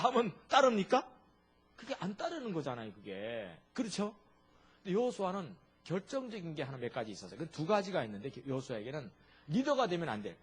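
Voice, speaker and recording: A male pastor preaches with a lively, swinging delivery and a somewhat high voice. His tone is husky, and he keeps firing rhetorical questions at the congregation. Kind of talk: sermon.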